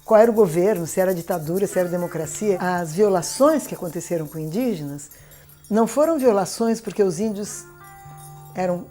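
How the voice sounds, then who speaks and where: Mellow-voiced Brazilian woman explaining. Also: on the low side, brisk, faint music behind. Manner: explanatory, checks with listener. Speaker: expert commentator. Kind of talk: explanatory interview.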